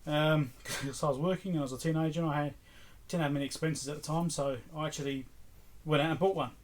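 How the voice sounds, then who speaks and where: Man rambling casually, slightly high voice. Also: fairly even intonation, quick pace. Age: middle-aged. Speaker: electronics repair video host. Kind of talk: casual unscripted show-and-tell. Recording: clear background noise with clicks.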